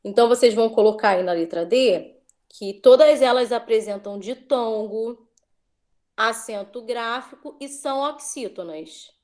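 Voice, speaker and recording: A woman's voice: fairly high pitch, normal speed, darkish tone. A woman teacher giving an online class, patiently drawing out words as she drills syllables.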